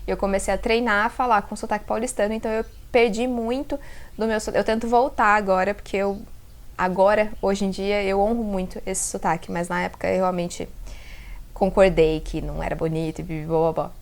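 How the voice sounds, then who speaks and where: A woman in her thirties from the interior of São Paulo state, with its inland accent, talking to her viewers in a casual, expressive vlog. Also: mid-range voice, a little fast. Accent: interior São Paulo (caipira r). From interior of São Paulo state, Brazil. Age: 30s. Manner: conversational and expressive, often addresses viewers directly. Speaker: self-leadership content creator. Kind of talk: casual reflective vlog to camera.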